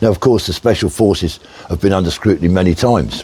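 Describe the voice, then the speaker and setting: A man with a British accent talks at a fairly quick pace with ordinary pitch variation. Noticeable background noise is audible. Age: 60s. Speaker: army veteran vlogger. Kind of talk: casual vlog commentary. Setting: outdoors on a walk. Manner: conversational, with fillers and restarts.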